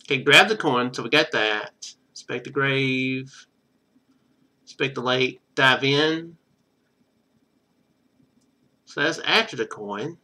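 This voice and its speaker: A man's voice: medium pitch, slow pace, long pauses, sharp tone. A man doing casual video game commentary, thinking aloud as he plays.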